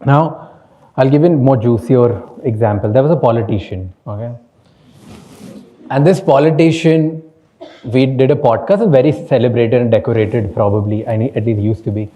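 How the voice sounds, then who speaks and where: A man's voice: mid-range voice, moderate pace, dark tone. A man with an Indian accent whose first language is Hindi, a podcast host speaking candidly on a panel, slipping between English and Hindi and laughing often. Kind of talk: panel talk.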